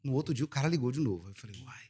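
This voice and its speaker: A middle-aged man with a Goiás accent, a podcast guest who tells stories in a lively way and acts out the dialogue. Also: medium pitch, rapid-fire, slightly rough. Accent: Goiás Brazilian Portuguese. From Brazil, Goiás. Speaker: guest, music producer. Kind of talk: casual podcast chat.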